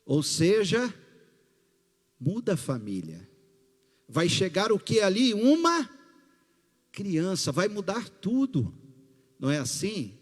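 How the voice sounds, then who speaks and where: A male pastor with a Brazilian Portuguese accent, preaching a sermon in a slow, emphatic way with rising bursts. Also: high voice, huge pitch swings. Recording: long hall reverb with faint music.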